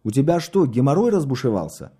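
A man's voice: mid-range voice, very animated, fast talker, dark tone, slightly rough. A man voicing a blunt, irritable man in a story.

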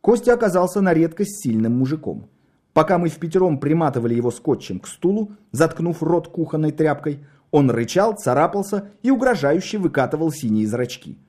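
A man reading a story aloud, expressive and wry in his storytelling. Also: on the high side, a little fast. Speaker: narrator. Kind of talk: audiobook narration.

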